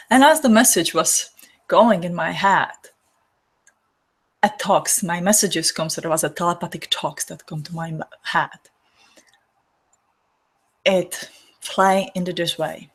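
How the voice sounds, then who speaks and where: A woman with a Czech accent, her first language Czech, hosting a spiritual healing session and speaking softly and earnestly in non-native phrasing. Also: on the low side, slightly rough. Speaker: spiritual healer and host. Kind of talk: gentle spiritual talk to an online audience.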